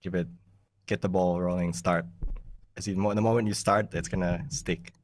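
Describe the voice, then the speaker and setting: A young man, a monk who grew up in the United States, giving an easygoing meditation talk on a video call, often laughing and clearing his throat. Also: deep voice, fairly even intonation, moderate pace, distant mic, slight background noise. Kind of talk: relaxed teaching talk over a video call. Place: small plain room indoors. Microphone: large desk mic in front of him.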